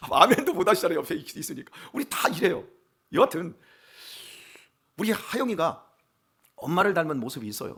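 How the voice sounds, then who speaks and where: A middle-aged man, a pastor giving an early-morning sermon in a church, swinging between booming preaching and hushed storytelling asides. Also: breathy edge. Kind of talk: dawn sermon. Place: church sanctuary.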